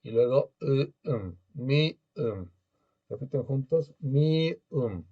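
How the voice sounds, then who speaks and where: A man's voice: medium pitch, expressive, slow, highs cut off. A man teaching a beginner language class online over a video call, patiently drilling pronunciation and having students repeat after him.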